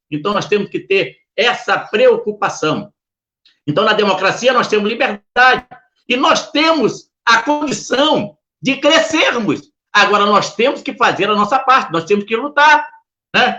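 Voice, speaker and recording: A man's raised, projected voice at an extremely high pitch, bright and sharp in tone, with lively intonation. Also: fairly slow pace. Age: 60s. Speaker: pastor, Bible teacher. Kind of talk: Sunday school Bible lesson. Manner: informal, conversational with filler words.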